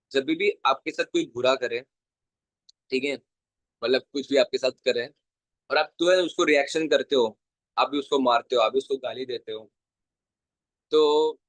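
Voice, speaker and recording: A man's voice: medium pitch, a bit bright, no room sound. A young man telling a devotional story in an earnest way, repeating phrases for emphasis and mixing in English words. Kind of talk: Hindi devotional story talk.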